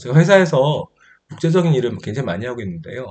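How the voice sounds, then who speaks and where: Over a quiet background, a man speaks in a somewhat breathy voice. His pitch swings very widely. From South Korea. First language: Korean. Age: middle-aged. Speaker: English teacher YouTuber. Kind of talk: reading aloud; tutorial. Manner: halting, many fillers.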